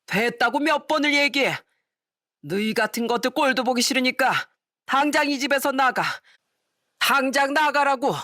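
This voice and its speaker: A woman's voice: fairly high pitch, normal speed, no echo, clean studio sound, pitched above the performer's own voice, natural voice. A woman voicing an old father-in-law who throws out his scheming new family and later weeps with regret. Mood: furious. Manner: shouting angrily, then sobbing. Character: remorseful old father-in-law, furious then weeping.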